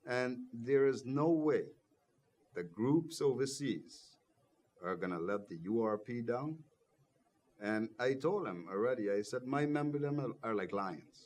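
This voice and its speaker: A man's voice: mid-range voice, lively intonation, a little slow, darkish tone. A young man born in Guyana, a political party coordinator, speaking earnestly as a TV guest and saying "you know" often. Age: young adult. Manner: earnest, repeats "you know", grows passionate. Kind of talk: interview answers.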